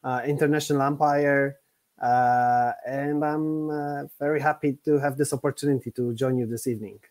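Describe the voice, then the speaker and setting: A man's voice: medium pitch, steady tone, normal speed, a little mellow. A man, talking hesitantly with many fillers and restarts on an online panel. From Poland. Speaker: international hockey umpire, guest. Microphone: computer mic on a video call.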